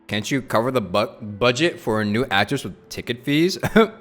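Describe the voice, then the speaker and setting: A man's voice: medium pitch, lively intonation, moderate pace, fairly bright tone. A man doing casual livestream game commentary, joking and blunt. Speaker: game streamer. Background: game music.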